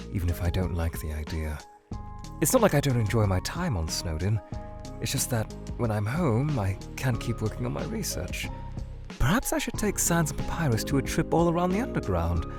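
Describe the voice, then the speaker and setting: A man voicing a formal, anxious male skeleton scientist who is lost in a void, speaking in a measured way that can turn frantic and pleading. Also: lowish voice. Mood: wistful. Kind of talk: fan audio drama. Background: music.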